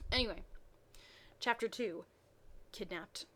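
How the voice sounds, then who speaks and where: A woman's voice: medium pitch, takes it slowly, bright, forceful tone. A woman reading fanfiction aloud, breaking off into casual, hesitant, wry asides. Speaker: reader mocking bad fanfiction.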